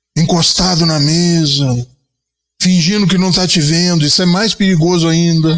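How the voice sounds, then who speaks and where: Speaking in a flat monotone, the man has a high-pitched voice. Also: moderate pace, very even loudness. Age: 60s. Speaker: spiritist lecturer. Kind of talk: lecture. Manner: casual, conversational.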